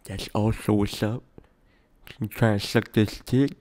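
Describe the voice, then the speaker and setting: A man putting on a smooth-talking young man who speaks with a wet, spitty lisp. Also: on the low side, little pitch movement, unhurried, a little mellow, natural voice. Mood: smug.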